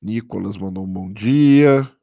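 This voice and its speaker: A man, hoarse from a cold, casually commenting on a live stream and answering viewer chat, often checking in with "tá?". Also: lowish voice, a little slow, dry recording, muffled recording. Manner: casual, keeps adding "tá?" for confirmation. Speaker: livestream host.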